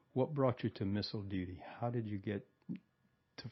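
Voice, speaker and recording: A man with a Southern US accent speaks at a fairly low pitch with ordinary variation. His voice is somewhat breathy and his pace moderate. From eastern North Carolina. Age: 70s. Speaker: Air Force veteran. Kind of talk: casual interview. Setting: at a refurbished missile silo.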